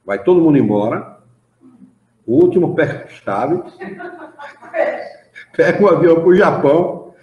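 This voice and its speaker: A man's voice: on the high side, animated, a little slow, long pauses. A man with a Brazilian Portuguese accent leading an informal study group in an association's hall, chatting animatedly and reading passages aloud. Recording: dull echoey room recording.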